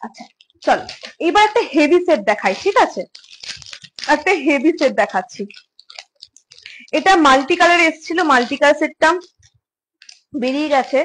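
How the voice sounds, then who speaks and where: A woman's voice: high-pitched, lively intonation, moderate pace, long pauses, fairly bright tone, a little hiss or hum, rough recording. A woman showing jewellery pieces in a casual, chatty way, repeating phrases and mixing English words into her talk. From India. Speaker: jewellery seller. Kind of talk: casual live product showcase.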